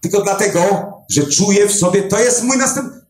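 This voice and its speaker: An older man who finds missing people, telling a story to a live audience with emphatic, animated delivery and dramatic pauses. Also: high voice. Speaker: clairvoyant body finder. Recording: roomy echo.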